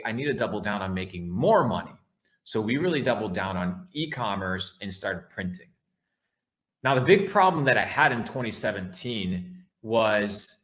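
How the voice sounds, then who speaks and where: A man's voice: lowish voice, a bit bright. A man talking like a brash crypto bro in a casual motivational livestream, blunt and profane, hammering key words by repeating them. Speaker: livestream host, online entrepreneur.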